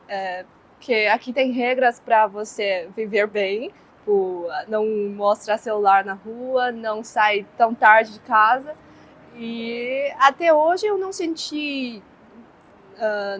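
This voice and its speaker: A woman's voice: a little high, poor audio. A young woman from China with a Chinese accent, answering interview questions in a hesitant way with many fillers.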